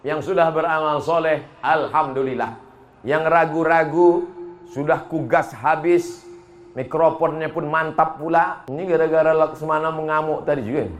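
A man preaching a lively, humorous sermon in a mosque, swinging between shouting and quiet asides. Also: on the high side, normal speed, slight background noise.

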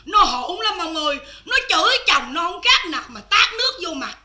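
An actress playing an older, loud, scheming village mother-in-law in a Vietnamese cải lương stage drama, wailing and shouting. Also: very high voice, sing-song, normal speed, full character voice. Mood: pleading. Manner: wailing, shouting, theatrical crying.

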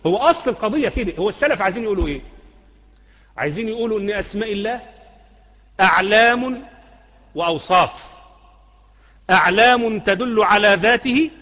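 An Egyptian man teaches a creed class, firing questions at his students and drilling each point until they answer back. His voice sits fairly high and comes through muffled, with a long echo trailing in a lecture hall. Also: expressive, brisk, pauses often, pushed and bright. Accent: Egyptian Arabic. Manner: quizzing, repeating, drawing answers from the class.

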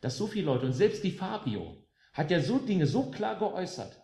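A man's voice: sits high, very animated, moderate pace, gravelly, dark tone. Emphatic man speaking from a live stage. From West Germany. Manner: emphatic, with sarcastic jabs and rhetorical questions. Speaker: singer-songwriter speaking between songs. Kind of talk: rousing political stage speech. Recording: roomy live room with faint music.

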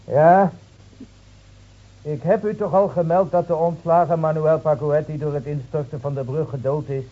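An actor playing an exasperated gendarme on the telephone in a radio drama, clipped and insistent. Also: male voice, on the high side, steady tone, normal speed, close to an everyday voice. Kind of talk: Dutch radio drama acting. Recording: muffled old radio recording.

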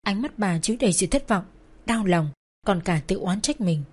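A woman's voice: mid-range voice, expressive, moderate pace, darkish tone, slightly rough. A woman narrating a first-person dramatic story in a sorrowful, emotional way.

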